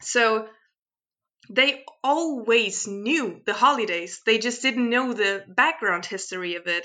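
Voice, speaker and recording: A woman's bright, sharp tone at a fairly high pitch, with lively intonation and a very slow pace. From eastern Ukraine, raised in Germany. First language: Russian. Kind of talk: interview.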